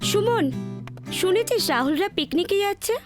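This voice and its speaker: A woman's voice: very high-pitched, lively intonation, moderate pace, soft background music. An actress playing a curious, needling young woman in a film drama. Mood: curious, teasing. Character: curious, needling young friend keen on outings.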